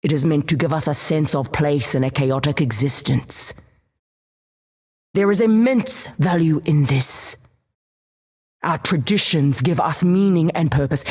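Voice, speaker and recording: A woman's voice: low voice, unhurried, darkish tone, breathy edge. A woman playing a devout keeper of tribal traditions, speaking earnestly and solemnly in a fantasy game monologue.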